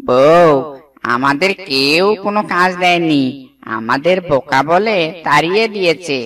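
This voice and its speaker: A man's voice: on the high side, expressive, a little slow, fairly bright tone, recorded from a distance. A man voicing an apologetic, henpecked jackal husband in a cartoon, meek and full of excuses. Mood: sheepish.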